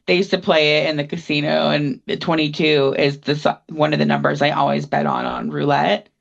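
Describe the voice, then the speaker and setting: A woman co-hosting a podcast, telling rambling stories in relaxed casual chat. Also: low-pitched, fairly quick, vocal fry, highs cut off. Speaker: podcast co-host.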